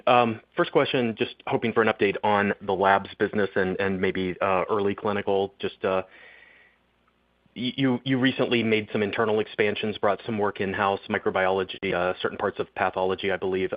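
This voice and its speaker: A man's voice: deep voice, fairly even intonation, a little fast, no room sound. A man asking questions as a financial analyst on an earnings call. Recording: dull, lo-fi conference call audio.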